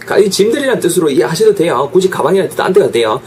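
A man teaching an English lesson with a lively voice, drilling pronunciation through repeated examples. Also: fairly high pitch, rapid-fire, slight background noise.

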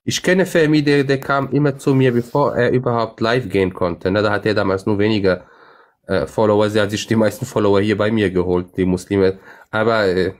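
A man's voice: on the low side, fairly even intonation. Man speaking German as a second language. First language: Arabic. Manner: halting, many restarts and fillers, non-native German grammar. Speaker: livestream host. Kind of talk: casual live-stream debate chat.

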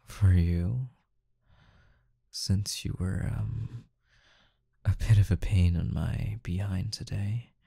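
Low, slow, gravelly mafia boss, acted by a man. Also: steady tone, no room sound, studio quality, heavily acted. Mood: amused, coaxing. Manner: slow, menacing, softly coaxing, with deliberate pauses. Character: intimidating, smooth-talking mafia boss, calm and teasing. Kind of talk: ASMR boyfriend roleplay.

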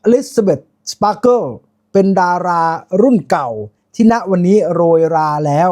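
A man's voice: high-pitched, lively intonation, moderate pace, warm tone. A man giving a casual spoken film review, chatty and informal, with lots of asides and self-corrections.

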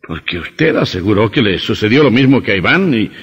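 Stern vampire hunter, husky. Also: male voice, on the low side, sing-song, a little fast, fairly bright tone, exaggerated voice. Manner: stern, persuasive, lecturing. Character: grim, insistent older male vampire hunter. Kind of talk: vintage radio drama acting. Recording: muffled old radio recording with reverb.

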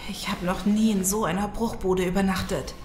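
An actress playing a prim, disapproving young nurse in a German audio drama, sounding indignant. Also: female voice, mid-range voice, steady tone, normal speed, natural voice. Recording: echoey room, clear background noise.

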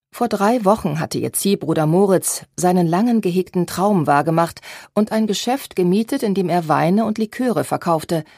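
A woman reading an audiobook as narrator, in a measured, even manner. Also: lowish voice, dry recording, clean studio sound. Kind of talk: scripted narration.

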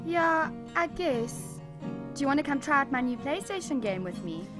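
A sulky twelve-year-old boy acted by a woman in an audio drama. The voice is high and hesitant, with faint music behind it. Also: big pitch swings, moderate pace.

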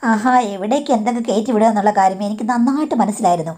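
A woman's voice: medium pitch, rapid-fire, warm tone. A woman narrating her own life story in a confiding, indignant tone, often addressing her listener as madam.

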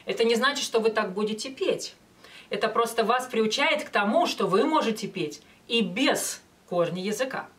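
A woman in her forties teaching as a vocal coach, explaining step by step with hesitant pauses between phrases. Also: fairly high pitch, expressive, a bit bright. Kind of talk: instructional talk with short sung demonstrations. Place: small indoor studio with banner backdrop. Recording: voice some distance from mic.

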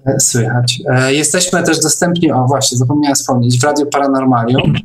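A man hosting a casual online interview, speaking in a hesitant, halting way. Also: mid-range voice, fairly even intonation, faint music behind, low-quality recording. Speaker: host of an online meeting. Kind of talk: casual interview over a video call.

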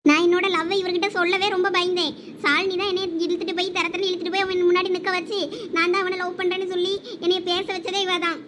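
A woman voicing a lively young village wife and her friends in a comedy drama, bossy, teasing and chatty. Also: very high-pitched, fast talker, background noise.

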